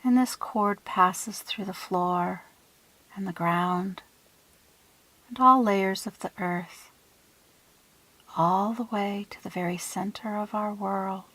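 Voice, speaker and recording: Slow, hushed woman guiding a meditation. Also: medium pitch, poor audio. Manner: soothing, hushed, deliberate phrasing with breathy trailing ends. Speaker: guided meditation leader. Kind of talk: guided visualization meditation.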